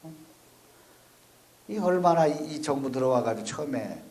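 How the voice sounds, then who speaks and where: A middle-pitched male monk delivering a relaxed, conversational sermon. He talks in a folksy way and often breaks off with a questioning "eh?" to draw his listeners in. His pitch sits at an ordinary level. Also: moderate pace. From Chungcheong, South Korea. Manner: folksy, keeps checking in with the audience with "eh?". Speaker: Buddhist monk giving a dharma talk. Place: temple or university dharma hall.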